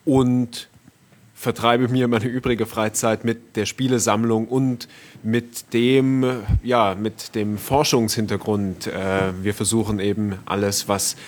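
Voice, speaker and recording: A man's voice: on the low side, flat delivery, slow. A young man from Thuringia, a media scholar, speaking as an interview guest over a video call in a matter-of-fact, academic way. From Thuringia, Germany.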